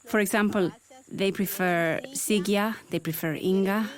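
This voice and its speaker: A woman's voice: medium pitch, steady tone, unhurried. A woman giving an explanatory voice-over translation for a documentary interview.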